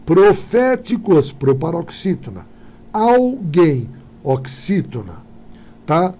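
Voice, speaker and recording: Lively Brazilian man teaching exam prep. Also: a little high, slightly rough. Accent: Brazilian Portuguese. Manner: lively, addresses viewers directly, checks in with tag questions. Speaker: Portuguese teacher. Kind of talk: exam-prep video lesson.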